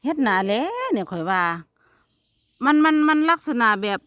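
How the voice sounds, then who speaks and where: A woman's voice: a little high, lively intonation, moderate pace, a bit bright, no room sound, clean studio sound. A woman with an Isan Thai accent chatting casually to viewers in a vlog, filmed outdoors in a rural yard on a phone. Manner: chatty, addresses viewers as "brothers and sisters". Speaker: vlogger.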